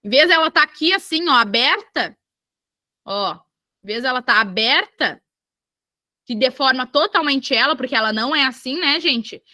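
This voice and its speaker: A woman from Brazil teaching an exam-prep geography class, lively and checking in with her students often. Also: sits high, moderate pace, no room sound.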